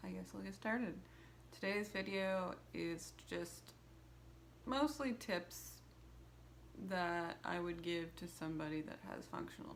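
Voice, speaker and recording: Mumbling, a woman talks at a fairly slow pace. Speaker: chronic illness vlogger. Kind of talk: casual talk to camera.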